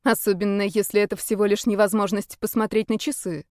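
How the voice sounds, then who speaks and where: A woman's voice: mid-range voice, steady tone, brisk, a little mellow, dry recording, clean studio sound, natural voice. A woman reading the lines of a blind young woman of about twenty, defensive and exasperated with her father. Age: young adult.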